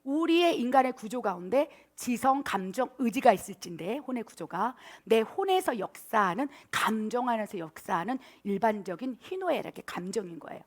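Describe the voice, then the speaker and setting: Animated high-voiced woman preaching. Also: normal speed, few pauses. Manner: animated preaching, acting out prayers in coaxing and whiny voices. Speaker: pastor and missionary. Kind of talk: sermon. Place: church service.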